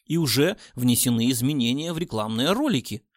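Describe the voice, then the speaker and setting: A man's voice: mid-range voice, lively intonation, a little fast, no echo, clean studio sound, natural voice. A man voicing a smug, insistent woman who works as an assistant and translator in an audiobook.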